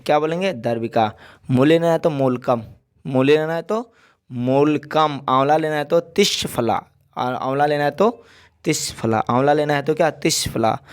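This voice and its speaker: A male teacher giving an exam-prep lesson, drilling word lists with frequent check-ins and playful examples. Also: mid-range voice.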